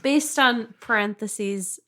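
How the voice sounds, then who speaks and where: A woman's voice: fairly high pitch, slow, fairly bright tone. A woman co-hosting a podcast in a casual, chatty style. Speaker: podcast co-host. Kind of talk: casual chat.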